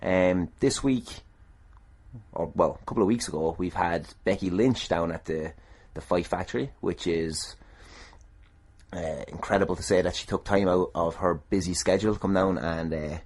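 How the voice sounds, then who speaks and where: A man with an Irish accent and a deep voice talks casually as a solo podcast host. He is self-deprecating and irreverent, with the odd mild swear. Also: normal speed, a little mellow. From Ireland.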